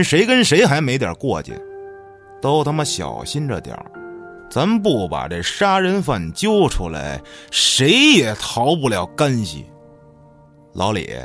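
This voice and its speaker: Man acting fiery village tough, wildly swinging pitch. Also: a bit bright, full character voice. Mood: angry, threatening. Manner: coarse, cursing, accusing, taunting. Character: hot-tempered, suspicious village tough trapped with a killer. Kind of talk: Chinese radio drama acting.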